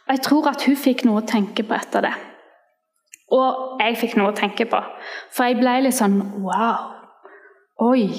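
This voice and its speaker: A woman's voice: fairly high pitch, darkish tone, long reverb tail. A woman telling personal testimonies as a Christian street evangelist, animatedly acting out the quotes in her stories.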